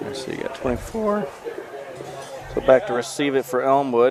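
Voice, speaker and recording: A man with a medium-pitched voice speaks in lively intonation over noticeable background noise. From Ohio, Maumee. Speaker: football color commentator. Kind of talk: live sports commentary. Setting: press box at football stadium.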